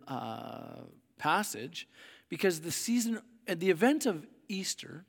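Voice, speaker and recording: A middle-aged man from Canada, a pastor with a hoarse voice, preaching a sermon in a casual, rambling way with many fillers and restarts. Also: sits high, a bit bright. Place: church hall. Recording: long hall reverb.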